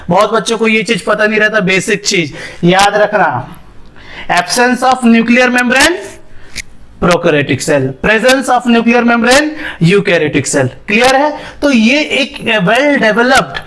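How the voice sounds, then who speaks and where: A man's voice: sits high, a bit bright. A young man teaching a biology lesson, asking questions and answering them himself, mixing English terms into his speech. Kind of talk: classroom lesson with whiteboard.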